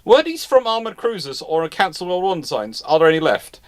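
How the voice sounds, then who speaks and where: Male live-stream host, pitched a little high, conversational expert who restates his points. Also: sing-song, fast talker. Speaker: host of a live naval history Q&A. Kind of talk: casual expert discussion.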